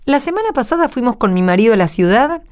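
An actress playing a modest, discouraged rural wife in a radio drama, plain-spoken and hesitant, with an Argentine accent. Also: female voice, fairly high pitch, sing-song, fast talker, darkish tone. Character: modest, discouraged rural married woman neighbour.

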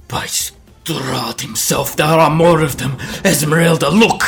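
A man's voice: on the high side, steady tone, slow pace, creaky, fairly bright tone, husky, soft background music, voice pushed up, exaggerated voice. A man voicing a blustering, argumentative town drunk in a tabletop fantasy game. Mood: alarmed. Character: belligerent drunken male town drunk, stumbling and accusing.

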